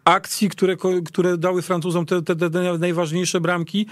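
Higher-voiced man talking football, halting. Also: flat delivery, dry recording, studio quality. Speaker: football pundit. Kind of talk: casual sports discussion.

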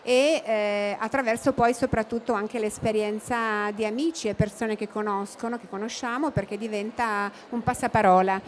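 A woman's voice: mid-range voice, a little hiss or hum. A middle-aged woman answering interview questions at an expo booth into a handheld mic, with many fillers and restarts. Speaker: interviewee, cooperative representative. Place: expo booth studio, indoors.

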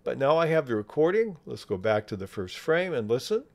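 Male software instructor, medium pitch, measured explanatory delivery for screen walkthroughs. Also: very animated, vocal fry. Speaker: software tutorial presenter. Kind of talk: step-by-step screen tutorial narration.

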